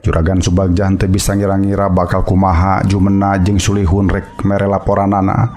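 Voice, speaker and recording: Low-voiced Sundanese male storyteller. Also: monotone, a little fast, a little mellow, soft background music. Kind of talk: narrating a Sundanese folk tale to listeners.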